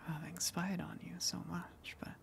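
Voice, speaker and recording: A woman voicing a lonely, gentle tentacled sea monster in a breathy whispered ASMR roleplay, hesitant and earnest as she speaks. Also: fairly low pitch, flat delivery. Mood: shy, candid. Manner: hesitant, confessional, halting, earnest.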